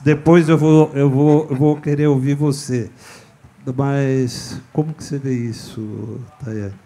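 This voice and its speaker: A man's voice: mid-range voice, fairly even intonation, takes it slowly, mellow, slight background noise. A man moderating a literary panel, asking questions in a playful, provocative way. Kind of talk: panel discussion.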